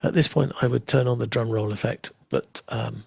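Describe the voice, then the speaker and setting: A man hosting a live software demo, chatting casually and making wry asides while he waits. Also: mid-range voice, fairly even intonation, moderate pace, creaky, breathy edge, no echo. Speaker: livestream host demoing software.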